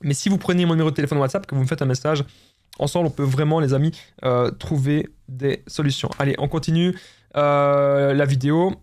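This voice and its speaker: A man's voice: a little high, steady tone, brisk, a little mellow. A man with a Belgian French accent, a relationship coach giving casual, repetitive, stumbling advice to camera.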